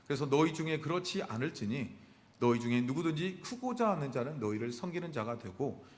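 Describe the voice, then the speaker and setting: A man's voice: mid-range voice, big-room sound. A male pastor preaching a midweek sermon. He asks the congregation rhetorical questions and answers them himself. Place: church sanctuary.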